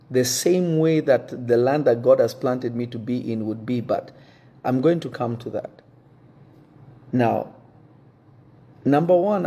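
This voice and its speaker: A man in his thirties, a native French speaker talking in English, addressing his congregation to camera from an indoor room, earnest and measured, often restarting to choose his words. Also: medium pitch, warm tone, husky. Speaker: pastor. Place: indoor room with wooden shelves.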